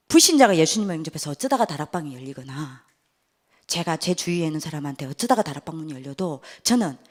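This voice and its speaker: A woman evangelist preaching a sermon, telling a story and acting out the dialogue, often dropping to a hushed whisper for quoted lines. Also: lowish voice. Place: church youth retreat hall.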